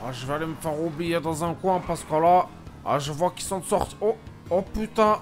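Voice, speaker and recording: A man streaming a roleplay game, playing a rough-talking gypsy job seeker who swears and mutters to himself. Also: on the high side, normal speed, soft background music. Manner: excitable, swearing, mumbling asides to himself. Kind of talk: GTA roleplay commentary in character.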